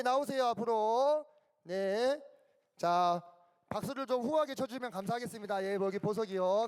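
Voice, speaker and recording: A man teaching a children's Bible camp sermon, telling the story with lively, questioning storytelling. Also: very high-pitched. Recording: echoey hall.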